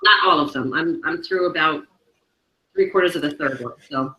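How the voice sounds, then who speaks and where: Bright-voiced woman in an echoey room. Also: low-pitched, moderate pace. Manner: candid, laughs easily, teasing. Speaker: guest. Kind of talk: casual interview chat.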